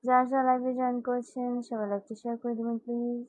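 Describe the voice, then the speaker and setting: A woman's voice: fairly high pitch, monotone, quick pace, darkish tone, no echo, poor audio. Chatty teenage girl live streamer. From Bangladesh. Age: teens. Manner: chatty, answers viewers one by one. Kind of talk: casual live chat reading comments.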